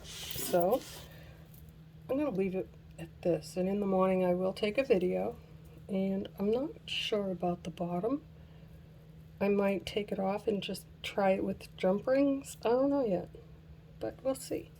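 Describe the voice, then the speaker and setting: A woman hosting a casual craft tutorial who is losing her voice, chatting slowly while she works and laughing at her own mishaps. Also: medium pitch, vocal fry, warm tone, slight background noise. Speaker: craft channel host.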